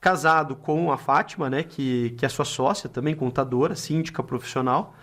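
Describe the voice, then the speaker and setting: A middle-aged man with a Brazilian accent hosts a casual podcast conversation. He talks loosely and warmly toward his guests, leaning on filler tags and circling back to restart his sentences. His voice sits at an everyday middle pitch. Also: moderate pace. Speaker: podcast host and lawyer. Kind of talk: casual interview chat.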